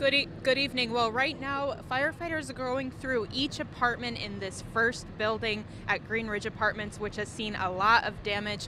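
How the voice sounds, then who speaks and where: The speech moves at a moderate pace with ordinary pitch variation. The sound is dry with no echo, and there is noticeable background noise. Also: woman. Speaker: TV field reporter. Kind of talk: live news report. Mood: serious, measured. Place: street. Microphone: handheld.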